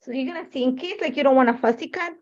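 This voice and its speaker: Her voice is high and she talks very fast: a middle-aged crafting host with an Ecuadorian Spanish accent, a native Spanish speaker, casually chatting and thinking aloud during a live demo. She sits at a crafting desk shot from overhead, and the stream sound is dull and lo-fi.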